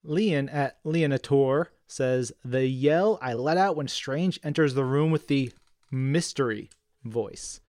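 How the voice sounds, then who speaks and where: A man co-hosting a podcast in casual chat, playful and animated as he reads out listener messages on a studio mic. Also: mid-range voice, slow pace, no room sound. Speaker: podcast co-host.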